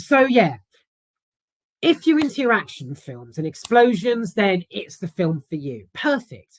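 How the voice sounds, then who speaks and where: At a moderate pace, someone speaks in a South London accent. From South London (Sutton). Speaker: film reviewer. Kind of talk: casual film review monologue. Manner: halting, many fillers and restarts.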